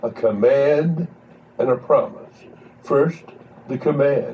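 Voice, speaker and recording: Speaking at a fairly slow pace with ordinary pitch variation, a man is heard over noticeable background noise. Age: 70s. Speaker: pastor. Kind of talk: sermon. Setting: church.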